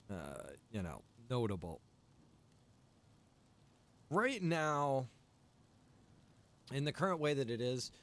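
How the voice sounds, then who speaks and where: A man chatting casually on a game livestream, rambling and thinking out loud. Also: sits high, clear, resonant tone. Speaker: game streamer. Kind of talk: casual livestream chat while gaming.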